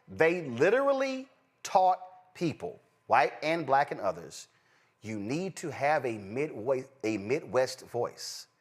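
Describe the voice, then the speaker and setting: A man with a Texan accent hosting political commentary, emphatic, jumping between high exclamations and low asides. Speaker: host.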